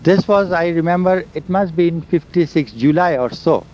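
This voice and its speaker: An older man, slowly recalling old memories in an oral history interview, with a loud voice. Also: on the high side. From India. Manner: slow, halting storytelling of memories. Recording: dull lo-fi recording with faint hiss and vehicle sounds.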